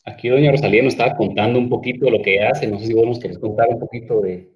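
A man's voice: mid-range voice, fairly even intonation, fast, lo-fi sound, slight background noise. A male host who welcomes and introduces guests. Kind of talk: interview hosting. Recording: roomy, off-mic sound.

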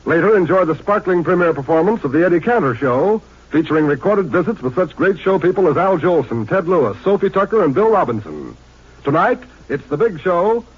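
A man's voice: on the high side, slightly rough. A man announcing network programs in a showy, polished 1950s radio promotional style. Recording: muffled 1950s radio recording.

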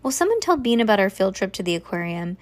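A cheerful storybook schoolteacher addressing her class in a bright, lifted voice, as a woman reads her part aloud. The tone is upbeat and questioning, a little higher than the reader's own talk. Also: very animated, quick pace, close to an everyday voice.

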